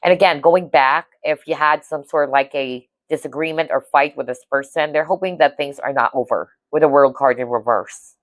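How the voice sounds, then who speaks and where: Woman, tarot reader, low voice, dry close sound, chatty and reassuring. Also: normal speed, hardly any pauses, no room sound. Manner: chatty, reassuring, frequent "okay?" check-ins. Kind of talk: casual tarot reading monologue.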